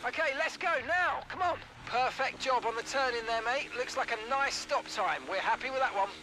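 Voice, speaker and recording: An actor playing a calm male race engineer in a racing game, giving brisk, steady instructions over a crackly team radio. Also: extremely high pitch. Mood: encouraging. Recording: noisy, distant team radio line.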